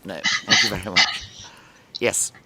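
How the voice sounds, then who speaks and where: Man, presiding judge, lowish voice, halting speech, repeats words, courtroom procedure. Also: heavy background noise.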